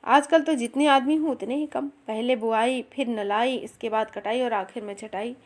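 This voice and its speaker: A woman voicing a commanding older village landowner who gives orders briskly. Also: on the high side, fairly even intonation, close to an everyday voice.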